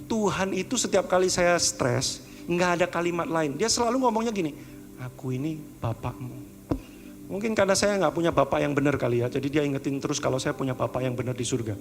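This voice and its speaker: Chatty preaching man over soft music. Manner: casual chatty preaching, swings from high pleading to hushed. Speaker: pastor. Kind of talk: sermon. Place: church service.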